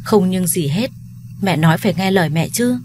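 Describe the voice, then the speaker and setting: A woman voicing a loving middle-aged mother, pleading and gently insistent, in a told story. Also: lowish voice, lively intonation, moderate pace, a little hiss or hum, natural voice. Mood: tender.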